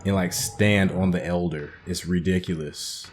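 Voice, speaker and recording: A man's voice: low-pitched, fairly even intonation, a little slow, faint music behind. A man hosting a gaming playthrough, commenting casually and informally as he thinks aloud and explains things. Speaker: gaming video host.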